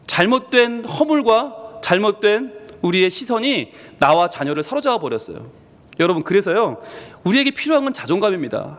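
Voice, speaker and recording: A male pastor with a Busan accent preaching a sermon, animated, asking the congregation questions and acting out voices in the story. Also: high-pitched, big-room sound. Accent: Busan Korean. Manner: animated, acts out voices of God and parents, asks the congregation questions. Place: church sanctuary.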